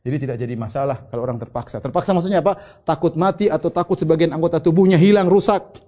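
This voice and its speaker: Male Indonesian preacher, religious lecture, fairly high pitch, dark tone. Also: racing. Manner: explains terms, retells stories with quoted dialogue. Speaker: Islamic preacher.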